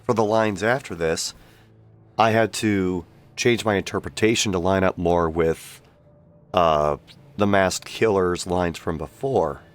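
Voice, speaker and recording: A man's voice: low voice, unhurried, soft background music. A man giving casual, wry game commentary on a stream, his voice tired and under the weather. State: sick, tired voice after hours of streaming. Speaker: streamer and voice actor.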